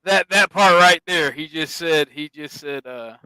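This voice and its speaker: Bright, clear Southern man ranting. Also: on the high side, measured pace, no room sound, low-quality recording. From American South. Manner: animated, profane, mocking. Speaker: streamer host. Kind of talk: casual stream commentary.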